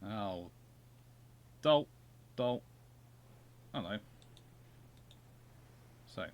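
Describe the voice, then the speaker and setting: A man's voice: on the low side, animated, very slow. A man with a Surrey English accent chatting casually and joking while he plays a naval strategy game live. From England. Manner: chatty, jokey, thinking aloud with restarts. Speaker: game streamer, host. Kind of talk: casual live gameplay commentary.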